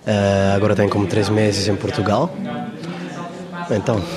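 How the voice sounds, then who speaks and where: A man's voice: lowish voice, flat delivery, normal speed, over a noisy crowd. A man from Curaçao speaking hesitant, self-correcting learner Portuguese. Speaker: language student.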